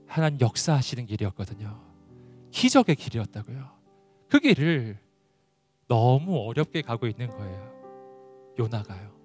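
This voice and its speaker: A man's voice: big pitch swings, normal speed, pauses often, a little mellow, faint music behind. A middle-aged man preaching a sermon to a young adult congregation, emphatic and full of rhetorical questions, sometimes acting out quoted prayers. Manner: acts out quoted prayers in a high voice. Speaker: pastor. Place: church hall.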